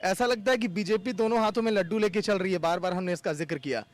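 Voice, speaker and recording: A man's voice: high voice, fast, no echo. A man, a news reporter, putting pointed questions in a field interview and signing off.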